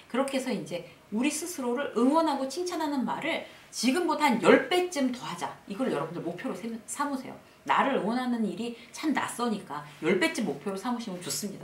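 Lively woman coaching, echoey room. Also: on the high side, recorded from a distance, slight background noise. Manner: lively, acts out upbeat self-talk and cheering. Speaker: workplace lecturer and channel host. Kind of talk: casual spoken lesson to camera.

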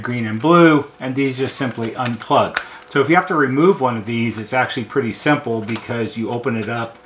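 A man's voice: medium pitch, a bit bright, slight background noise. A middle-aged American man giving an unscripted hands-on demonstration as a repair technician, explaining methodically in plain words. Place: indoor repair workshop at a bench.

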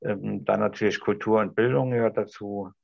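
In a lowish, gravelly, husky voice with fairly even intonation, a middle-aged discussion participant improvises a speech for an imagined TV audience, pausing to choose words carefully. His Berlin German accent is held back toward High German. He's in a small room indoors, heard through dull, lo-fi video-call audio from a distant device, with no room sound.

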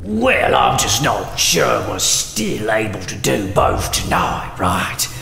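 A man voicing a cautious, doubting henchman with a gravelly voice and a hesitant, questioning manner in a fantasy audio game. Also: on the low side, sing-song, slow, sharp tone, voice pushed down, exaggerated voice. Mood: doubtful, wary. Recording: echoey hall, some background noise.

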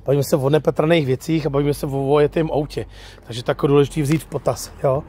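This car channel host speaks in a slightly high, warm, steady voice, with a bit of background noise. His vlog is relaxed and informal, covering a walkaround outside at a used car lot and then a test drive from inside the car, and he keeps ending lines with "jo."

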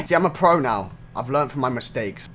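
A man's voice: medium pitch, expressive, a little fast, a bit bright, faint music behind. A young man giving casual gameplay commentary, jumpy and laughing, swearing and yelping when startled. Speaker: gaming streamer.

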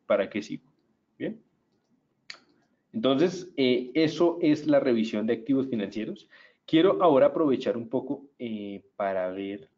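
Guy doing a trading webinar, chatty and upbeat, mellow voice, kinda muffled audio. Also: medium pitch. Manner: chatty and upbeat, addresses viewers directly. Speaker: trading analyst presenting a webinar. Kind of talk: live market analysis webinar.

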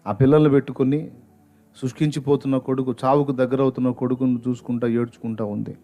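A male pastor telling a story in his sermon, swinging between loud outbursts and hushed lows. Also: little pitch movement, fast. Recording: faint background music.

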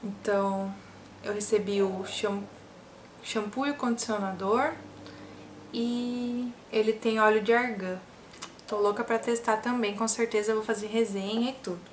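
A woman's voice: mid-range voice, steady tone, measured pace, slight background noise. A young woman from Brazil chatting casually to the camera about things she bought, upbeat and talkative. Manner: chatty and upbeat, showing products. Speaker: beauty vlogger. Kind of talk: casual haul chat to camera. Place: small room with makeup shelves, indoors.

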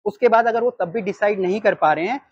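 A man in his thirties with an Indian accent, teaching restaurant staff how to take orders in an animated way. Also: high-pitched, fast, slightly rough, no echo, muffled recording. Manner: animated, gestures while reading from a sheet. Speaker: restaurant trainer. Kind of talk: training talk. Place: storefront of a small takeaway, outdoors. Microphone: lapel mic.

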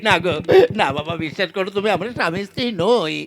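A man's voice: sits high, fast, fairly bright tone. Man playing a wheedling, lecherous old priest. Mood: panicked denial. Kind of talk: Bengali puppet-show comedy dialogue. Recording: music under the dialogue.

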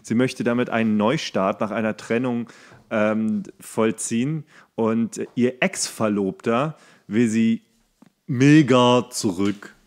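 A male podcast host with an average-pitched voice. He talks casually and at length, in a loose, rambling way, often searching for the right word. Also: slow, a little mellow. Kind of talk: casual chat.

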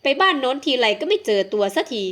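A woman's voice: high-pitched, very animated, quick pace, a bit bright. Woman voicing fussy elderly noblewoman. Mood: indignant. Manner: fussy, scolding, affectionate. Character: elderly aristocratic aunt, doting yet bossy. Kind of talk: audiobook character voice.

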